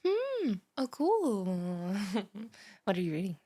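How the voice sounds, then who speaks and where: A woman's voice: mid-range voice, huge pitch swings, very slow, dark tone, dry recording, full character voice. A young woman playing a scatterbrained, chatty, bubbly student in a one-sided audio roleplay, rambling like a valley girl straight at the listener. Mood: curious, insistent. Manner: rambling valley-girl chatter full of "like", sighs and breathy asides. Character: chatty, scatterbrained, over-caffeinated bimbo female college student, bubbly and blunt.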